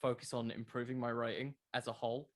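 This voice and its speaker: Casual interview guest: young adult male, middle pitch, earnest, rambling explainer. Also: little pitch movement, quick pace. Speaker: interview guest, wrestling content creator.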